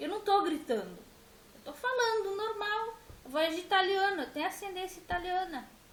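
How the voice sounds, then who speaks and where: A woman talks loudly at a moderate pace with lively intonation, with audible room echo and noticeable background noise. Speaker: vlogger sharing personal story. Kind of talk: personal testimony monologue. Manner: animated.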